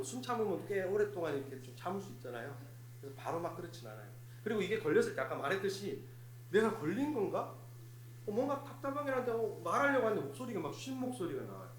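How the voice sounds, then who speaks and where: A man's voice: fairly high pitch, slight background noise. Man teaching first aid in an echoey hall. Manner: instructive, repetitive, talks to a live group. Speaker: fire safety instructor. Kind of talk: hands-on first aid demonstration. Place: hall of a place of worship.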